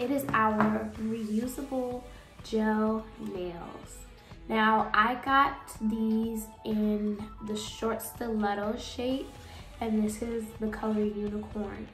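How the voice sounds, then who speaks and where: Over clear background music and audible room echo, a woman talks at a very slow pace with fairly even intonation. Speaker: nail product seller. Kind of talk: product demo vlog. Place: home room. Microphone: phone near.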